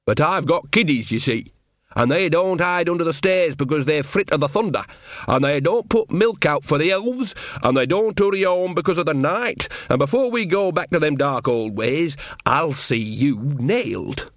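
A man puts on a shrewd old woman witch for a fantasy audiobook. The pitch is lifted well above a normal male register. She speaks in blunt, folksy, colloquial phrases, cheeky and unafraid. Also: animated, normal speed, dry recording, studio quality, lightly acted. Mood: firm warning.

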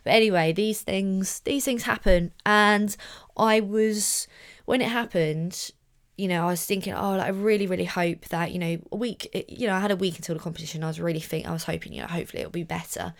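A young woman hosting her podcast, talking casually with a husky voice hoarse from shouting, telling a rambling story. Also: mid-range voice, fairly even intonation, fairly quick. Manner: chatty, rambling storytelling with fillers. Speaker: podcast host. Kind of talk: casual solo podcast chat.

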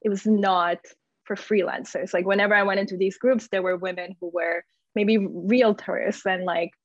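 A woman's voice: medium pitch, fairly even intonation, moderate pace. A woman giving informal, rambling conversational answers as an interview guest, often dropping in "like". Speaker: guest, community founder. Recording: echoey room, slightly dull audio.

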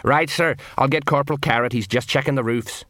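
A stolid, dependable middle-aged sergeant, as a man reads him, answering his captain plainly. Voice a touch higher than the narrator's. Dry, close sound. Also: fairly quick, a bit bright, dry recording, lightly acted.

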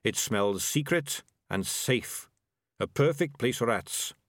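A man voicing a gentle, thoughtful male rat in a storybook, speaking in a kindly, reflective and deferential way. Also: mid-range voice, animated, slow, no room sound, studio quality. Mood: mild, reasoning.

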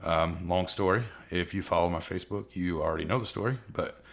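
A man who races cars, hosting his own podcast in loose, rambling casual talk, his voice scratchy and rough today. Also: deep voice, a little fast. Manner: loose, rambling, frequent fillers. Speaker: podcast host and drag racer.

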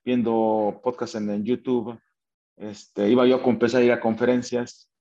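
A man's voice: mid-range voice, flat delivery, normal speed, dark tone, muffled recording. A man with a Mexican accent telling his life story in a casual interview, acting out quoted dialogue, with many fillers and restarts.

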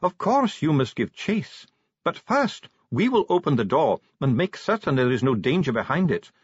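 A man's voice: on the high side, very animated, moderate pace, slightly rough, no room sound, muffled recording, pitched above the performer's own voice. A man voicing a guarded dwarf mine official with a stiff, formal, evasive manner, in an audiobook. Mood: firm, formal.

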